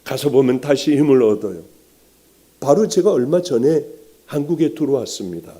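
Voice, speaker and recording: Emotional older pastor, animated and mellow. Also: male voice, mid-range voice, normal speed. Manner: emotional storytelling testimony, dropping to hushed near-whispers. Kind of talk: sermon.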